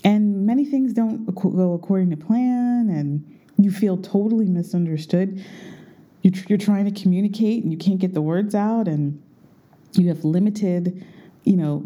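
A jet-lagged woman vlogs from her bedroom, recording under a blanket that muffles her medium-pitched, dark-toned voice. She chats casually to her viewers, rambling and correcting herself as she goes.

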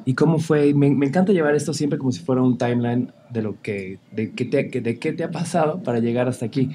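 Mexican guy hosting a podcast, slangy and excited, kinda dark mellow voice, faint hiss. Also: medium pitch, quick pace. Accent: Mexican Spanish. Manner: chatty, slangy, enthusiastic. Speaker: podcast host. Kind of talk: casual interview chat.

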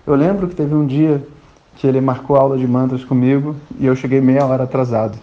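In a dull lo-fi recording, a Brazilian man from Rio de Janeiro recounts a personal anecdote colloquially, voicing the dialogue himself. He speaks briskly in a mid-range voice with fairly even intonation.

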